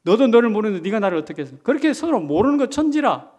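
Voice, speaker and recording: Man, senior pastor, sermon, emphatic, rhetorical questions, high-pitched voice. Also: sing-song, rapid-fire, darkish tone. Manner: emphatic, asks the congregation questions. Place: church sanctuary.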